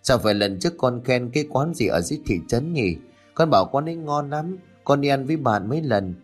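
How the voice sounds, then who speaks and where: A man's voice: medium pitch, expressive, brisk, faint music behind, pitched above the performer's own voice, lightly acted. A man doing a tender old grandmother. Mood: tender, coaxing.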